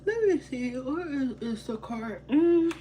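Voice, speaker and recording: A woman's voice: high-pitched, animated, slow, warm tone, slight background noise. A young woman with a Haitian accent, giving live tarot readings in a casual, slangy, chatty way and laughing easily. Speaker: tarot reader.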